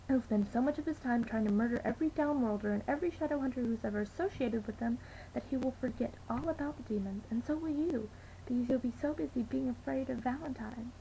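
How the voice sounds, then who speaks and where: A woman's voice: a little high, vocal fry, mellow, rough recording. A woman playing an earnest, defiant fifteen-year-old girl in an insistent, persuasive dramatic audition monologue. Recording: amateur recording with faint background noise.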